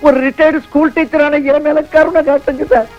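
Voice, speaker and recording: A man's voice: very high voice, little pitch movement, brisk, soft background music. An actor playing a retired male schoolteacher, older, earnestly pleading with a police officer. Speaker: retired school teacher robbed of savings. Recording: dull old film soundtrack.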